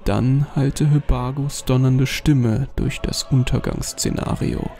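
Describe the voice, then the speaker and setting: A man narrating a scripted horror story in a calm, measured way. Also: medium pitch, vocal fry. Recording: voice over faint music.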